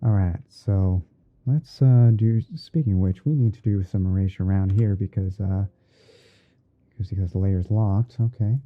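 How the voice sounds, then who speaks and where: A man hosting an ASMR livestream, narrating his editing step by step in an unhurried way, as if murmuring to himself while he works. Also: low voice. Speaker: streamer hosting a roleplay. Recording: muffled phone-like band-limited audio.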